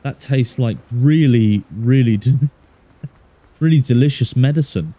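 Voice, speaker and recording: A man's voice: medium pitch, unhurried, warm tone, no room sound. A man from Galway with a west of Ireland accent, chatting casually and commentating on his game as a livestreamer, musing aloud in an easygoing, wry way. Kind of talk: casual chat and gameplay commentary.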